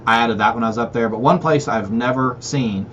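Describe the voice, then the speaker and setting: A man who talks fast, spinning wry anecdotes as a radio guest. His voice comes through slightly dull audio with a faint hiss. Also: medium pitch, a bit bright. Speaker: radio show guest, state official. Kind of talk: casual talk radio chat.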